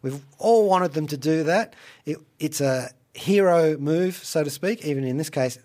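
A man hosting a radio show, chatting about pop culture in a wry, playful way with theatrical asides and deliberate phrasing. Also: on the high side, a little mellow. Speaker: radio show host and reviewer. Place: radio studio.

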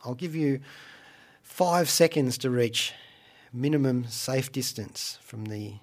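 A man presents chatty radio commentary in a medium-pitched voice. His delivery is wry and playful, with deliberate phrasing and little theatrical asides. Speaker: radio show host and reviewer. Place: radio studio.

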